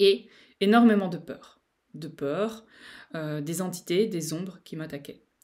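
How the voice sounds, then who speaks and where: With a quiet background, a woman in a fairly low pitch speaks at a very slow pace, with ordinary pitch variation, big swings in loudness and long, frequent pauses. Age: 30s. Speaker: spiritual content creator. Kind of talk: monologue video talk. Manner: hesitant, many fillers. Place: home room. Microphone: phone near.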